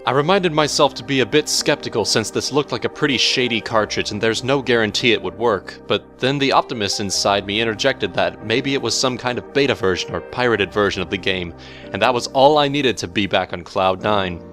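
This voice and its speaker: A man narrating a horror story in a measured, theatrical storytelling manner over music. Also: on the low side, a bit bright. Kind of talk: dramatic horror story reading. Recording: music bed under the voice.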